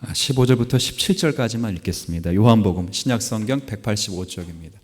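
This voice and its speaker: A male pastor in his forties preaching at a Sunday church service, telling a family story with lively jumps in pitch and loudness and asking the congregation questions. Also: fast. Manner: animated storytelling, acts out quotes with sharp jumps in pitch and volume; asks the congregation questions and laughs along. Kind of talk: sermon.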